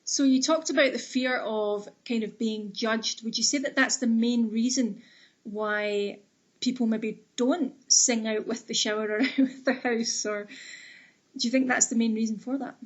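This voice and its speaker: A woman's voice: on the high side, fairly even intonation, unhurried. Chatty woman, muffled sound. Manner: chatty, conversational, rambling questions. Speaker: interviewer. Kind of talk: interview questions.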